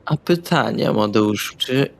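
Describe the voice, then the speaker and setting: A man's voice: mid-range voice, expressive, a little slow, gravelly. A man playing a tabletop role-playing game, talking casually with the group. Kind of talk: casual role-play chat.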